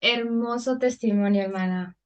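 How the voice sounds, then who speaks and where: A woman hosting a church conversation, responding gently and with feeling to a guest's testimony. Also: a little high, moderate pace. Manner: gentle, moved. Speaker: host. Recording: dull lo-fi sound.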